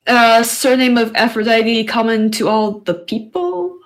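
A woman with a slightly high voice stumbles over her words, repeating and restarting as she talks. She sounds casual as she plays a tabletop game. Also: lively intonation, unhurried. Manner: stammering, filler-heavy. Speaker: player. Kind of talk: casual tabletop role-play.

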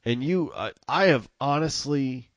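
A man's voice: mid-range voice, lively intonation, unhurried, no echo, muffled recording. A man from the southern United States with a Southern American accent, chatting casually about politics in a folksy, blunt way. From southern United States, Mississippi and Texas.

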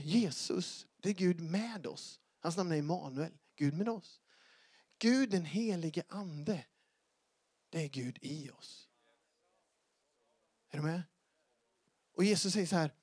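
A man preaching a lively sermon in a church, with emphatic repetition and joking asides while he moves about the stage. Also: high-pitched, no echo. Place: church hall.

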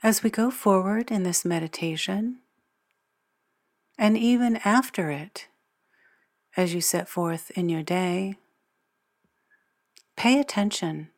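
A woman narrating a guided meditation as its guide, speaking in measured, deliberate phrases with long pauses. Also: mid-range voice, a little mellow.

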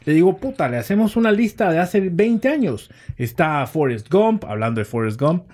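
A man's voice: fairly high pitch, very animated, normal speed, darkish tone. A middle-aged man chatting casually with friends in blunt, opinionated, profane slang.

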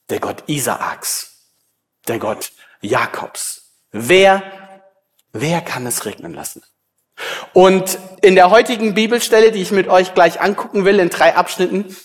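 A pastor man delivers a sermon in an unhurried, deliberate way, pausing for effect and asking the congregation rhetorical questions. His voice sits a little higher than usual for a man. A long church reverb trails after each phrase. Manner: storytelling, dramatic pauses, rhetorical questions.

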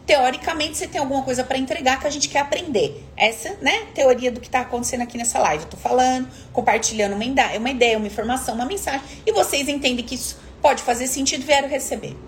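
A woman's voice: high voice, fast talker, few pauses, a little hiss or hum. A woman coach giving a motivational live talk, emphatic and questioning her listeners directly.

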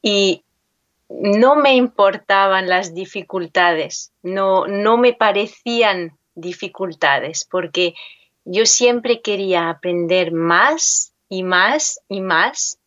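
Slow-spoken woman, Spanish speaker. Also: medium pitch, a bit bright, no room sound, dull audio. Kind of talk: conversational interview about personal experience.

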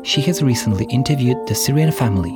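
A man hosting a podcast, reading a scripted narration in a measured way. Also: mid-range voice, lively intonation. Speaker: podcast host. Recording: music bed underneath.

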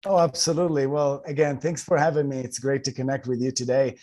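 This is a man from Italy with an Italian accent, speaking English rather than his first language. His pitch sits in the middle, and he tells his story in long, meandering runs. He pads it with fillers and frequent restarts. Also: fairly even intonation, fast, a little mellow. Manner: rambling, many fillers and restarts. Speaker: guest, ultramarathoner. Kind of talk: casual interview storytelling.

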